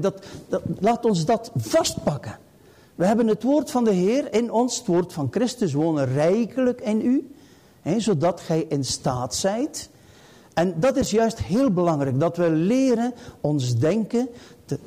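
A man's voice: sits high, dark tone, breathy edge. A middle-aged man preaching a sermon emphatically, repeating key phrases in rising bursts.

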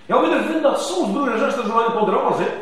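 A man's voice: very high-pitched, animated, a little fast, a bit bright. A man preaching a sermon, emphatic, with rising exclamations. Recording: echoey church hall from far off.

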